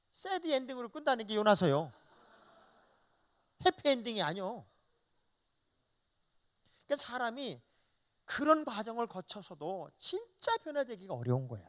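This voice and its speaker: Male pastor, fifties, revival preacher in a church; high-pitched, swooping delivery, folksy and animated. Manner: animated, folksy, acts out quoted dialogue. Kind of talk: revival sermon.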